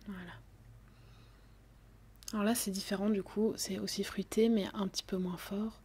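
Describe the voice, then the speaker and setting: A woman whispers softly and steadily, playing a perfume saleswoman in an ASMR roleplay. Her tone stays level, with little rise and fall. She hesitates often, filling pauses as she goes. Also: medium pitch, little pitch movement, slightly rough. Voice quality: soft whisper. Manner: hesitant, many fillers.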